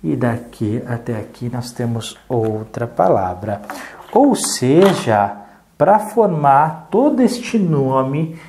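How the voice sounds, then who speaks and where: Brazilian adult-literacy teacher, mellow tone, animated pitch, patient and encouraging. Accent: Brazilian Portuguese. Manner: patient, counts aloud, checks in with "tá bom?".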